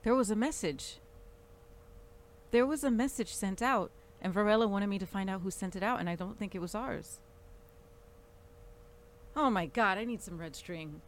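A woman taking part in a tabletop role-playing game, speaking excitably. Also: mid-range voice, moderate pace, pauses often. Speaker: player. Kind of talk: tabletop role-play as a character.

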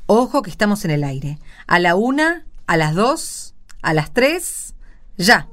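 A woman's voice: mid-range voice, big pitch swings, takes it slowly, a bit bright, a little hiss or hum. A woman with an Argentine accent, hosting and narrating a scripted radio theatre piece. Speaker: radio play host and narrator.

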